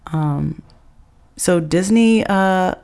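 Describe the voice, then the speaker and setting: Woman, American accent, slightly low voice, casual vlog narration, conversational, rambling. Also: extremely slow, gravelly, darkish tone, clean tone. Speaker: vlogger. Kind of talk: casual chatty vlog voice-over.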